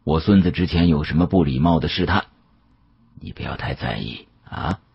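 An old family patriarch, acted by a male audiobook reader, kindly but shrewd. The voice is deep, husky and hushed, with measured, sighing phrases and a slightly muffled sound. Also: expressive, exaggerated voice.

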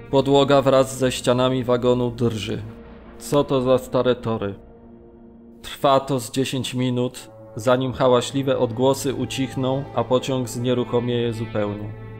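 A man acting as a prisoner recounting a train journey in measured, sombre radio-drama narration. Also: mid-range voice, close to an everyday voice. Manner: measured, descriptive recitation. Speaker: actor reading a prisoner's account.

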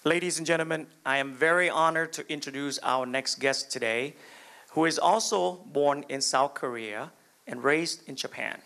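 A man's voice: on the high side, moderate pace, bright, forceful tone. A young man serving as master of ceremonies, formally introducing the next speaker with a handheld mic in a large hall. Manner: formal, announcing. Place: large indoor banquet hall, on stage at a podium.

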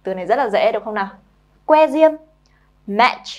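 A young woman who teaches English to children, coaxing her pupils and saying each new word slowly several times over. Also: on the high side, lively intonation, a little mellow, muffled recording. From Vietnam. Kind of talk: children's vocabulary lesson.

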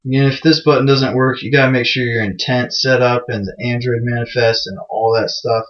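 Chatty male tutorial host at his desk, mid-pitched voice, muffled lo-fi mic. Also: steady tone, fairly quick. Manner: loose, chatty and self-mocking, with many fillers. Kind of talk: casual screencast tutorial. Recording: dull lo-fi mic sound.

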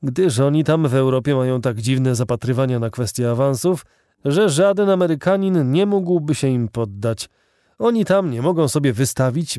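A man's voice: medium pitch, dark tone, dry recording, clean studio sound, voice pushed up, natural voice. A man voicing a scornful old war invalid. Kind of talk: audiobook dialogue reading.

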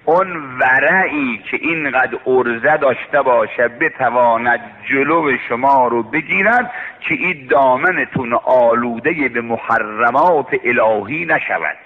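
A man's voice: medium pitch, big-room sound. A man preaching an impassioned sermon, telling a story with strong emotion and calling out to the congregation. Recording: tinny lo-fi radio broadcast recording.

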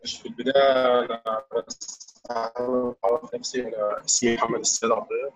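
A young man in his twenties with an Egyptian accent, an engineering student explaining a technical topic, heard over blurry, muffled low-quality stream audio. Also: little pitch movement, soft background music. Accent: Egyptian Arabic. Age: 20s. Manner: rapid explaining with frequent drawn-out fillers. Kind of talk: technical presentation over an online call. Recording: dull lo-fi online call audio.

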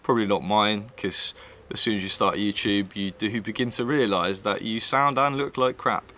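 A man's voice: lowish voice, moderate pace, pushed and bright. A man with a nasal voice, chatting casually to camera in a rambling vlog with plenty of fillers. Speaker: vlogger.

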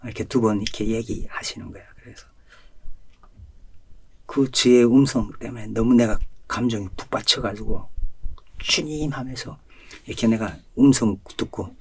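A man, a pastor, telling his personal testimony in an animated storytelling way, chuckling often and swinging between loud and soft. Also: fairly low pitch, breathy edge. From North Korea.

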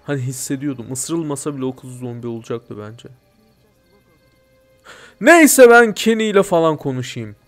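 A man doing let's play commentary, joking and bursting into loud mock-angry swearing. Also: mid-range voice, lively intonation, moderate pace, long pauses, faint music behind. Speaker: gameplay commentator.

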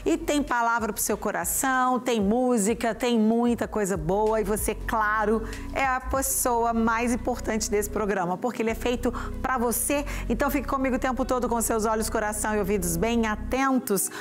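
Host in her forties, bright and effusive, slightly high voice. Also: moderate pace, few pauses, faint music behind. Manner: warm, effusive, chatty with viewers. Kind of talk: upbeat studio hosting. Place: bright TV studio set, indoors. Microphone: lapel mic.

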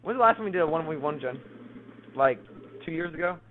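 A man swearing and complaining excitably while losing a casual one-on-one video game match. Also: a little high, fast, slight background noise. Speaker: gamer, boyfriend. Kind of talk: casual gaming banter. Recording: tinny phone-like sound.

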